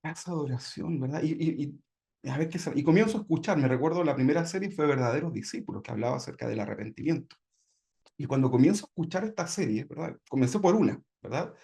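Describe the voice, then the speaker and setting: A man's voice: on the high side, animated, fast talker, creaky, dark tone. A man from Chile sharing his personal testimony in a conversational way, often checking in with tag questions. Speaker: church member giving testimony.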